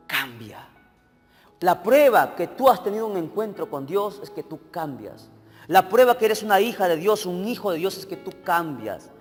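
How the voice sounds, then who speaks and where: A man with a high voice preaches a sermon in a church hall, with a long reverb trailing his words. He keeps asking his listeners questions and checking that they are with him, while faint music plays underneath. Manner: questions the congregation directly, checking they follow. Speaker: evangelist preacher.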